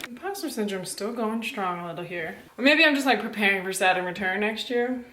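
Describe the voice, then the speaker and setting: A woman's voice: medium pitch, fairly bright tone. A young adult woman vlogging at home in a casual, candid and reflective way. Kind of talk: casual vlog talk. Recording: echoey room, faint noise.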